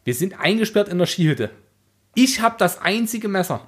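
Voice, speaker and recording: A man's voice: sits high, big pitch swings, moderate pace, a bit bright. A man co-hosting a casual book podcast, arguing his points in blunt, slangy language. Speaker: podcast co-host.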